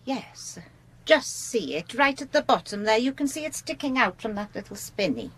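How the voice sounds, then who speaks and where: An actress playing a homely, talkative and deferential Welsh housekeeper in a 1980s British radio drama. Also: female voice, on the high side, sing-song, moderate pace, fairly bright tone, husky, heavily acted. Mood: hesitant, matter-of-fact. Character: deferential, chatty Welsh housekeeper, married woman.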